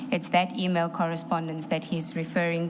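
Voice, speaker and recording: Amid noticeable background noise and audible room echo, a woman speaks fairly low with ordinary pitch variation. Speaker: evidence leader advocate. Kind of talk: legal proceedings. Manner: fast.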